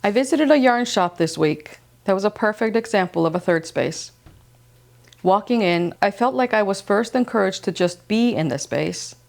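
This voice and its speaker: Calm woman from Iceland hosting. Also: mid-range voice, normal speed, vocal fry. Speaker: podcast host. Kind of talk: scripted reflective narration, then casual chat. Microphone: wireless transmitter mic.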